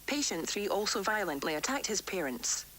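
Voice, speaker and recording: A woman playing a worried, defiant doctor dictating formal, measured research logs for an analog horror tape series, recorded on vintage cassette. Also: medium pitch, sing-song, fairly bright tone, poor audio. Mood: grave, concerned. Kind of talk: analog horror tape log, scripted report.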